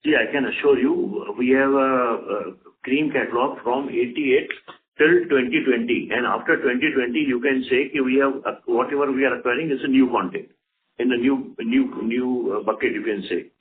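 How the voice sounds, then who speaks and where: An Indian-accented man speaks as a company executive on a conference call, with a medium-pitched voice. He explains in a halting, repetitive way, and the sound is narrow, like a telephone line. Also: slight background noise. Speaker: company executive answering questions. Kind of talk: unscripted investor conference call answers. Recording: phone-like conference call audio.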